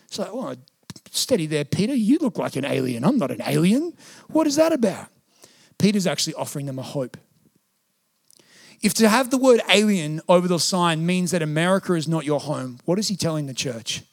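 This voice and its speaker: A man preaches from the pulpit in a high, light voice. He keeps it lively, jumping into playful quoted voices before dropping into slow, earnest stretches. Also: vocal fry. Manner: animated, acts out voices and quotes. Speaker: pastor. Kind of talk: sermon.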